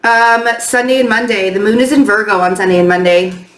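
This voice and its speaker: A woman giving a chatty weekly astrology and tarot update, her voice slightly hoarse as she loses it, with frequent ums. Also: medium pitch, brisk, fairly bright tone, roomy sound. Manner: chatty, with many ums and loose restarts.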